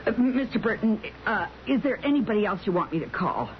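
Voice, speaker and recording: A woman's voice: mid-range voice, expressive, a little fast, natural voice. An actress playing a nervous, tactful nurse in a 1970s radio drama, stammering and apologetic as she talks. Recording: muffled, faintly noisy old radio broadcast.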